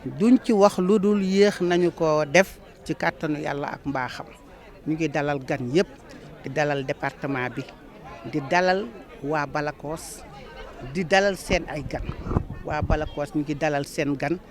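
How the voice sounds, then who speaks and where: A Senegalese man with a somewhat high voice delivers a welcome on behalf of his community. He stacks words in rhythmic lists and offers devout good wishes. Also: unhurried, a faint crowd. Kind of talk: welcome address to camera.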